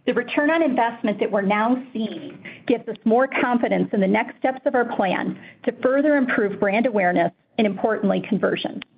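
A woman reporting a company's financial results on an earnings call in a measured, formal, scripted way. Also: fairly high pitch, vocal fry, narrow, tinny audio. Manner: measured, formal reading of figures.

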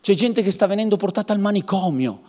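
A man preaching a lively sermon, acting out people in comic voices. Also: fast. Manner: animated, mimics people in high comic voices. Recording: long hall reverb.

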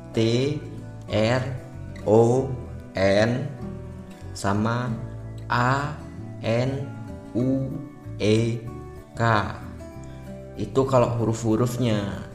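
A man's voice: mid-range voice, a little mellow. Chatty man with a Javanese accent. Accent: Javanese with Madurese touches. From Java. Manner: chatty, jokey, asks himself questions. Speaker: podcast host. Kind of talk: casual podcast monologue. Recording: roomy echo with faint music behind.

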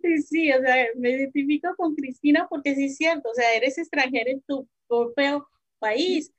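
A woman's voice: sits high, normal speed. A woman in her forties from El Salvador, a guest in a casual panel chat, talking in a reflective way. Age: 40s.

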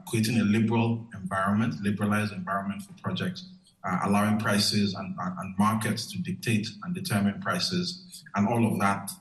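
A man on a panel, answering with halting phrases and many fillers. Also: lowish voice, echoey room, low-quality recording.

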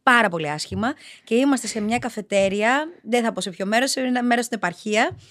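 A Greek actress chatting as a podcast guest, telling stories in a lively way and acting out what people said. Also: female voice, a little high. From Greece. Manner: lively storyteller, acts out quotes. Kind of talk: casual podcast chat.

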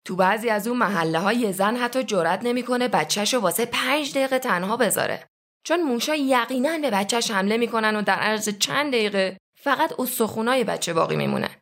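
A calm, menacing male interrogator, read by a woman. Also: a little high. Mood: cold, menacing.

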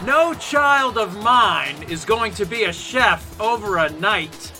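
Man as very high-pitched, exasperated pantomime character. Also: expressive, slow pace, pushed and bright, faint music behind, heavily acted. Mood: pushy, proud. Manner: exasperated, emphatic. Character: indignant, pushy father and scriptwriting storyteller. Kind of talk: pantomime audio comedy.

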